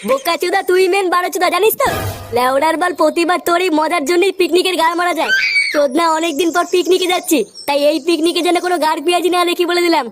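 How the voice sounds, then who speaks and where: A woman's voice: very high-pitched, rapid-fire, over loud music. A woman voicing a bossy, foul-mouthed young club leader in a cartoon who lectures the others.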